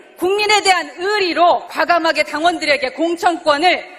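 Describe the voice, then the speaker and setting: A woman's extremely high-pitched voice, lively in intonation, at a moderate pace over noticeable background noise. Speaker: politician, party supreme council candidate. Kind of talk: political campaign speech at a party rally. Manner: earnest, rhetorical, emphatic.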